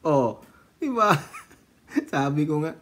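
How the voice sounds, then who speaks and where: A Filipino political vlogger offers casual commentary, chatty and teasing, laughing a lot and shifting from loud remarks to quiet asides. His pitch swings widely and he talks slowly.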